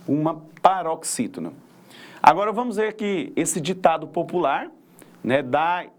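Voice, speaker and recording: Patient Brazilian teacher, slightly high voice. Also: male voice. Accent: Brazilian Portuguese. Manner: patient, counts syllables aloud and checks in with "né?" and "ok?". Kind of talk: recorded classroom lesson on word stress.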